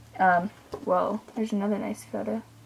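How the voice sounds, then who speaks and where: There is light background noise as a woman speaks. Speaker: vlogger. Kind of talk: casual vlog chat. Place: home room. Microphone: phone near.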